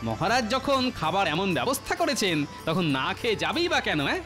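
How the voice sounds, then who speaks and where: An actor playing a witty, clever male court jester in a cartoon, calm and reasoning. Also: medium pitch, a little fast, close to an everyday voice. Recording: cartoon voice with music behind.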